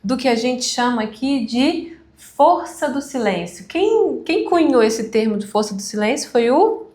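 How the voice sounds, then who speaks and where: Higher-voiced woman teaching with pauses. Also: sing-song, mellow, echoey room. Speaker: communication instructor. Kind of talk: live online class.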